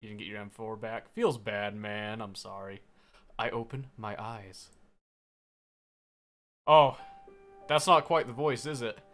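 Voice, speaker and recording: A young man streaming a visual novel, reading the text aloud and joking about it in an animated way. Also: fairly low pitch, measured pace, pauses often. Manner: animated, jokey, reads game text aloud. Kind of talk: game playthrough, reading aloud and commenting. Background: faint piano game music.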